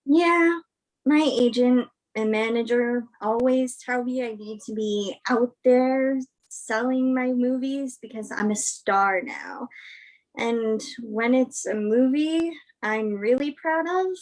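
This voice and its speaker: A woman's voice: on the high side, slow pace, darkish tone, low-quality recording. A woman acting the part of a candid, principled movie star giving an interview in a naturalistic play reading, frank and reflective. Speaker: actress in a virtual staged reading.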